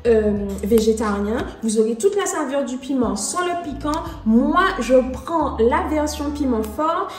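Young woman vlogger, high voice, casual cooking chat, roomy echo. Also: a little slow. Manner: chatty and relaxed, with frequent fillers and small laughs. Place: home kitchen.

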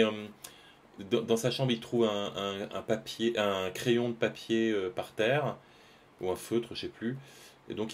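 Deep-voiced man rambling while drawing live. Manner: rambling, hesitant, many fillers and restarts. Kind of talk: casual live-stream chat while drawing.

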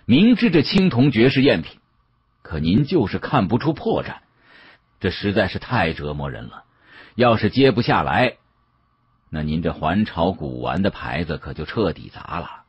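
A man's voice: deep voice, very animated, moderate pace, husky, dry recording, lo-fi sound. A man narrating an audiobook as a dramatic storyteller.

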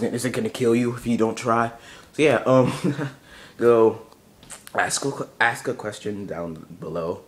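Young male vlogger, lowish, sleepy morning voice, hesitant and filler-heavy, camera mic in a bedroom. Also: slight background noise. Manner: rambling, hesitant, many fillers. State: groggy morning voice, just woke up. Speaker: channel owner. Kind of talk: casual vlog. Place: bedroom at home.

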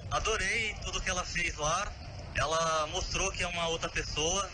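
A man's voice: high voice, steady tone, moderate pace, noisy background. A man talking casually and from the heart over a phone video call. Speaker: interview guest on video call.

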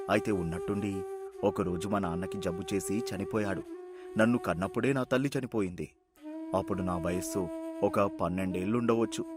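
A man's voice: fairly low pitch, natural voice. A man voicing a kindhearted, earnest village thief in an acted moral story. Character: kindhearted village thief, orphaned, plain-spoken and caring. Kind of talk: story voice acting.

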